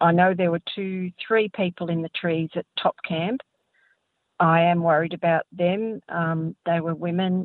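Fairly low-pitched female speech in an Australian accent, fairly slow, with monotone, flat intonation. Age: 60s. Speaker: wildlife activist. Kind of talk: eyewitness interview.

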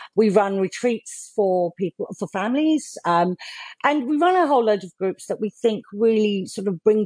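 A woman speaks with a British accent and lively intonation. The sound is dry and close, with no echo. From England. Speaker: community worker. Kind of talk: radio interview.

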